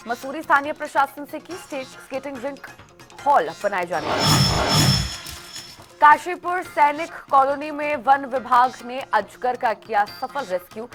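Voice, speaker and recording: A woman news anchor reading a headline bulletin in a brisk delivery. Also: sits high, a bit bright. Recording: faint music bed behind.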